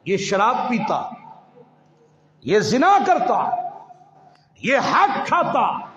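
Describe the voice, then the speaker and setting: Male preacher, thirties, high pitch, slow delivery, chanting sermon on a headset mic in an echoey hall. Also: a little hiss or hum. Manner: chanting, shouting rises into slow sung phrases, then quick asides. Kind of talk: Friday sermon. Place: large mosque hall, indoors. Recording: roomy, slightly dull hall recording.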